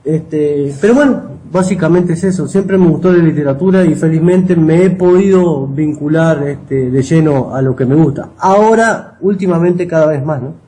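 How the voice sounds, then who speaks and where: A man's voice: on the high side, moderate pace, hardly any pauses, dark tone, poor audio. A middle-aged man with a Rioplatense Spanish accent answering interview questions conversationally, explaining and often checking with short tag questions. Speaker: interview guest, writer and copy editor.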